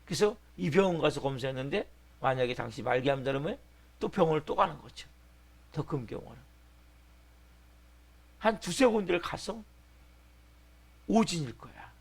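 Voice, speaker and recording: Gravelly-voiced man preaching. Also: a little high, brisk, long pauses. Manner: animated preaching, acting out patients' voices. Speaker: pastor. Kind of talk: sermon.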